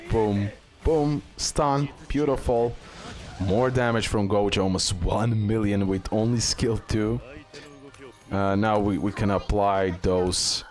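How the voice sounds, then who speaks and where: Low-voiced man commentating gameplay. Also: a little mellow. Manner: repeats words and phrases. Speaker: gaming video creator.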